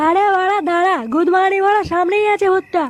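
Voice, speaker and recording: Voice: very high-pitched, little pitch movement, fast talker, soft background music. A performer voicing a brash, hot-tempered, foul-mouthed young man in a comic cartoon. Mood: angry. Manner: brash, swearing, scolding.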